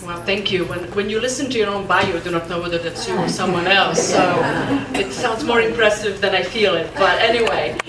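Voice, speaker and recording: A Polish woman with a Polish accent delivers an earnest, motivational keynote in a conference hall, frequently restarting her words. Her medium-pitched voice moves fairly quickly over a noisy crowd, captured from a distance in an echoey room.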